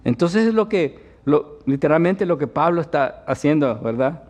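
A man's voice: fairly high pitch, lively intonation, normal speed, a little mellow. A man giving a conversational sermon as pastor, often checking in with his listeners. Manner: conversational preaching with frequent tag questions.

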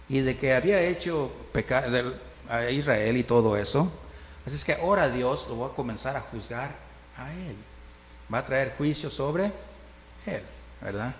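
Male pastor, conversational sermon, echoing hall, faint background hiss. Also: mid-range voice. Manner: conversational preaching, tag questions, chuckles. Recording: reverberant hall, faint noise.

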